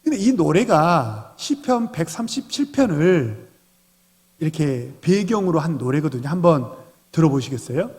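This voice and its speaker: A man's voice: fairly high pitch, normal speed. A man, the senior pastor, preaching a Sunday sermon and often putting questions to the congregation. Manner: animated, asks the congregation questions. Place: church sanctuary. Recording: long reverb of a church hall.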